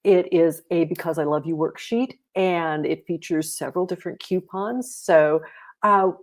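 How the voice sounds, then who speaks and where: A woman's voice: fairly low pitch, steady tone, moderate pace. A woman hosting a children's storytime, reading aloud and explaining things to parents. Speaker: storytime host and reader.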